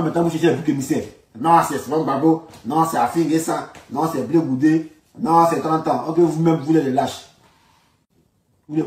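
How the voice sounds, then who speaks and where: On the high side with a darkish tone, this Ivorian-accented man delivers informal, colloquial political commentary, hammering points by repeating phrases. The sound is echoey, as he's distant from the microphone.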